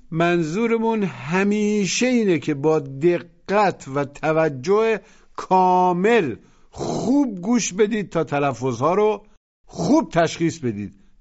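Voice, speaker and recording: A man's voice: fairly high pitch, darkish tone. A man teaching a language lesson, patiently prompting listeners to repeat after him. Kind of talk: instructional narration. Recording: muffled lo-fi audio.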